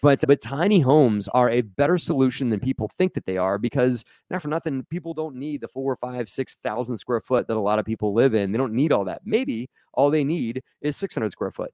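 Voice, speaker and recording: A man hosting a podcast, talking to viewers and his guest in an energetic, casual way with quick restarts. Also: medium pitch, no room sound. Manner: energetic, talks fast with restarts and asides to viewers. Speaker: podcast host. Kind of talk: casual podcast monologue and interview.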